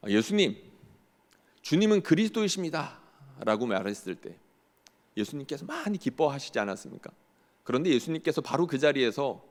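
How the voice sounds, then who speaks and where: A male pastor preaching a sermon in earnest, often posing rhetorical questions to the congregation. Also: medium pitch. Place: church sanctuary. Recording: long church hall reverb.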